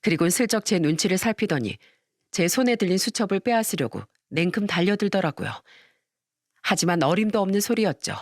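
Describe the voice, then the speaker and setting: A woman telling a first-person family revenge story, narrating calmly and turning indignant and cutting in confrontations. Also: mid-range voice, a little fast, dry recording, clean studio sound.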